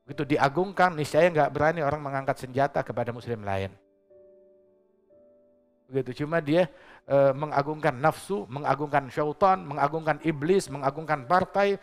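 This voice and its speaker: A male preacher giving a religious lecture to a congregation in a mosque, speaking emphatically and asking rhetorical questions with joking asides. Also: a little high. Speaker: Islamic preacher.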